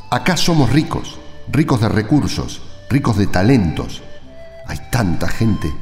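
A man's voice: fairly low pitch, darkish tone. An Argentine man playing an impassioned village priest in a radio drama, emphatic and full of rhetorical questions. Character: impassioned village priest rallying his parishioners. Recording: echoey hall reverb, music behind.

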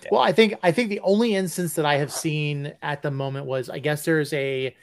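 Higher-voiced male co-host, halting speech. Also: dry recording. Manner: halting, many restarts and fillers. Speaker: podcast co-host. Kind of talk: casual podcast chat.

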